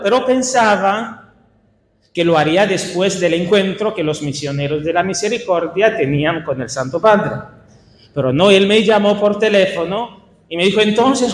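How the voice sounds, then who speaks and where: Man, Italian accent, priest teaching catechists, high voice, unhurried and halting, echoey hall recording. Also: slight background noise. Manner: unhurried, halting, with small restarts and filler. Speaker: Franciscan priest leading a catechist workshop. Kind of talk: workshop talk to catechists. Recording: echoey hall with faint ambience.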